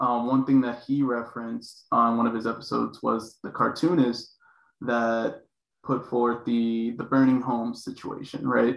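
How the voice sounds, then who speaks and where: With an American accent, a man speaks at a moderate pace and a medium pitch. His intonation is monotone and flat. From United States. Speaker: podcast host. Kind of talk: casual chat.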